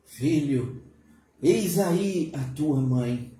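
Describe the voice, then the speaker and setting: A woman voicing a solemn, gentle male teacher in his last hours, speaking in a slow, grave, hushed way. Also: deep voice, lively intonation, pitched below the performer's own voice, exaggerated voice. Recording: roomy echo.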